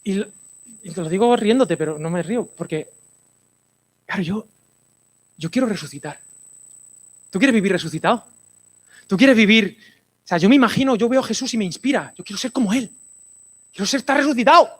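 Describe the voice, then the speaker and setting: A man, a pastor preaching a lively, playful sermon to a congregation, with sudden drops to hushed intensity. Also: high voice, a little fast, pauses often. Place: church hall, in front of a congregation.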